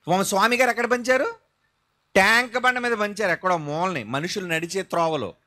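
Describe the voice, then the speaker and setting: A male pastor preaching an impassioned sermon, firing rhetorical questions at his listeners and swinging from loud outbursts to soft asides. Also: high-pitched, brisk.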